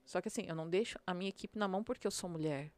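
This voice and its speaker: A woman's voice: fairly low pitch, racing, a little mellow, no echo. A woman police sergeant with a São Paulo accent, talking bluntly and with slang in a casual interview. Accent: São Paulo Portuguese. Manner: blunt, slangy, acts out street commands.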